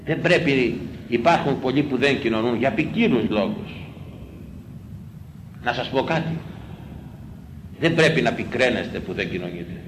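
A priest preaches with urgent, pleading emphasis, his voice leaping up and down in pitch as he repeats key phrases. He moves from loud outcries to near-hushed words. The sermon is heard in an echoey room with a faint hum of ambience behind it. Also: animated, pauses often. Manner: swings between loud exclamations and hushed lines.

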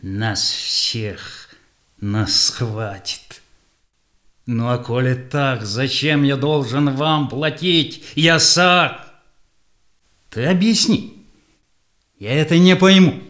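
Man acting proud tribal leader, very slow pace, defiant, embittered, declamatory rhymed verse, audio drama. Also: mid-range voice, a bit bright. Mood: bitter, challenging.

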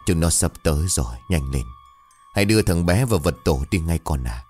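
A man's voice: sits low, lively intonation, brisk, darkish tone, faint music behind. A man doing a fierce old village mother. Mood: urgent. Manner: urgent hissing whisper, hard commands.

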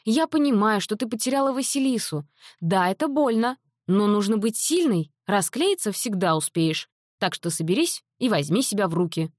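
A woman voicing a frantic, scolding middle-aged mother in an audiobook, her delivery shrill and exasperated. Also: lively intonation, moderate pace, dry recording, studio quality, natural voice. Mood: stern calming. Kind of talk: audiobook character voice.

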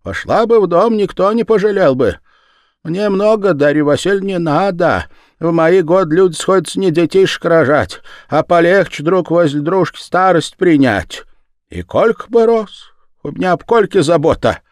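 Storybook old woman, pleading and wistful, pitched high, read by a man, dry sound. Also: expressive, normal speed, no room sound. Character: plaintive old woman, hopeful, dreaming.

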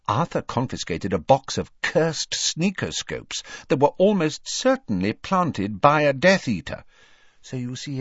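A man voicing an anxious, fussy middle-aged witch mother who speaks in a stern, high-pitched way. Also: no room sound. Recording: dull, dry lo-fi recording.

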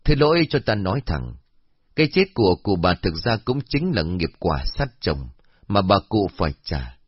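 A man voicing a solemn old male exorcist master who explains in a grave, measured way. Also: sits low, sing-song, breathy edge, no room sound, full character voice. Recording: dull lo-fi recording.

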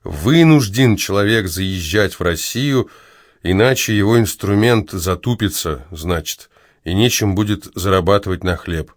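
A man's voice: deep voice, measured pace, dry recording, studio quality. A man reading his own essay aloud in an ironic, argumentative way.

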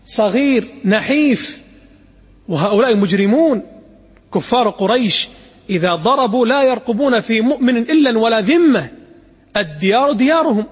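A man teaching a religious lesson, retelling the story with animated dialect asides. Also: very high-pitched, moderate pace, pauses often, husky. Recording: echoey hall with long reverb.

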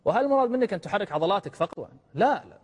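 A man teaches a religious lesson at a brisk pace, his slightly high, husky voice carried on a long hall reverb. He keeps asking his listeners questions and recites short phrases aloud to show how they are said. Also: big pitch swings. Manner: demonstrates by reciting the takbir aloud, posing rhetorical questions. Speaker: preacher teaching prayer.

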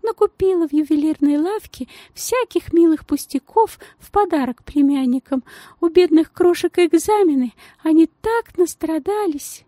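A woman's voice: very high-pitched, moderate pace, dark tone, no echo, studio quality, voice pushed up. A woman voicing a stout, genteel lady with a thin, piping voice and an affected, sugary manner in a storybook reading. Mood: gushing sweetly. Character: stout genteel lady, shrill, saccharine then venomous.

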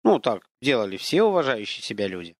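A man's voice: mid-range voice, big pitch swings, brisk, voice pushed down. A man voicing a lost, nervous young man who answers hesitantly and stammers. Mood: wry.

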